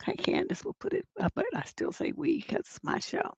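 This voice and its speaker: A woman hosting a relationship advice livestream, hoarse from a cold, chatting in a rambling, self-mocking way before reading out questions. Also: very high voice, very animated, fairly quick, no echo. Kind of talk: casual livestream advice chat.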